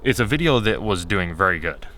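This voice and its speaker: Male vlogger, lowish voice turning slightly hoarse, candid off-the-cuff delivery, some ambient noise behind. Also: very animated, brisk, pushed and bright. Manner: rambling, candid, thinking aloud. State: voice getting hoarse. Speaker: video creator. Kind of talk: casual unscripted vlog talk.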